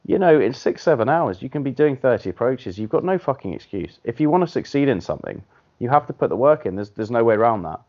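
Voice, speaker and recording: A man hosting a podcast in casual chat, blunt and animated, swearing casually as he makes his points. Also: mid-range voice, quick pace. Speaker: podcast host. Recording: dull lo-fi podcast audio.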